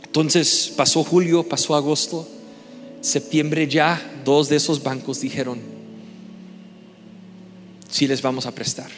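A male pastor preaches to his congregation, telling a story and acting out both sides of each phone call. His voice sits a little high for a man. The sound rings with the long reverb of a large hall, with soft music faintly underneath. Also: flat delivery, slow, pauses often. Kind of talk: sermon storytelling.

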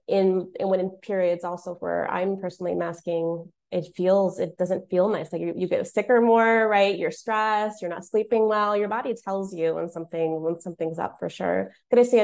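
Female moderator, lowish pitch with vocal fry, thoughtful and conversational. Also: a little mellow. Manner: thoughtful, checks in with "right?". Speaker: discussion moderator.

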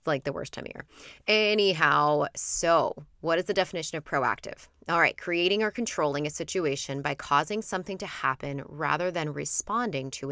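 A woman's voice: low voice, fairly bright tone, dry recording, clean studio sound. A woman in her thirties hosting a podcast, chatty and encouraging, her voice a little nasal from allergies. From Florida. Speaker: podcast host. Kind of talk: casual solo podcast talk.

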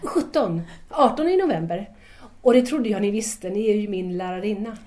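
A woman's voice: mid-range voice, expressive, warm tone, lightly acted. An actress playing a shy, admiring seventeen-year-old schoolgirl in an audio drama, polite, tentative and eager. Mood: questioning.

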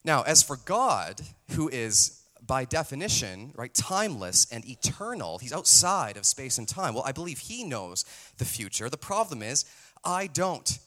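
Casual pastor, male, lively up-and-down delivery, self-deprecating and conversational with a live congregation. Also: mid-range voice. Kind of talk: conversational sermon. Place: church hall with audience.

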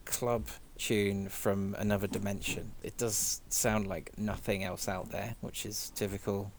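A man's voice: fairly low pitch, flat delivery, a little slow, slight background noise. A man in casual chat about music, enthusiastic and chatty, laughing easily as he talks.

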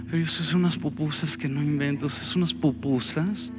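Guy quoting an older church lady, eager and earnest, pitch a bit up, music behind. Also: steady tone, brisk, close to an everyday voice. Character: older Salvadoran church woman offering pupusas.

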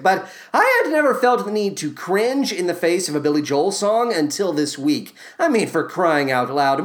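Sarcastische podcastpresentator met een levendige stem. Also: male voice, fairly high pitch, a bit bright. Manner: sarcastic, exasperated rants with mock voices. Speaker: podcast host. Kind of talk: comedic review monologue.

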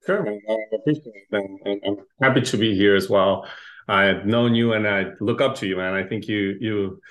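Low-voiced man, earnest guest. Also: poor audio. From Chile. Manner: earnest, slightly halting. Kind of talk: casual interview chat.

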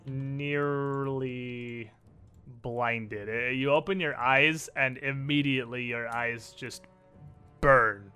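Male game master for tabletop fantasy play, crisp clear voice, unhurried suspenseful narration, faint music underneath. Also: medium pitch, pushed and bright.

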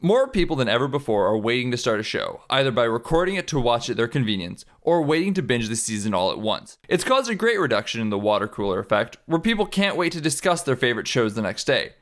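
A man's voice: medium pitch, sing-song, quick pace, few pauses. A man narrating a written article as a scripted essay reading.

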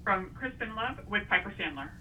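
A woman's voice: mid-range voice, animated, moderate pace, sharp tone. A woman making scripted announcements as a conference call operator. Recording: noisy, distant phone-line sound.

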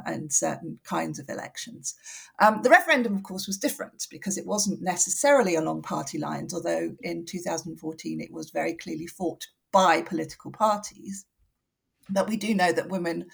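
A woman academic giving explanatory interview answers in a measured, analytical way, correcting herself as she goes. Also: fairly low pitch, vocal fry, breathy edge. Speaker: academic researcher, interview guest.

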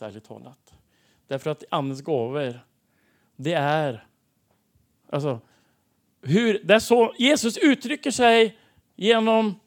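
A man preaching and telling testimony stories in a lively way, acting out the dialogue of the people in them. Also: high voice. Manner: animated, acts out dialogue in stories. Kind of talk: sermon testimony storytelling.

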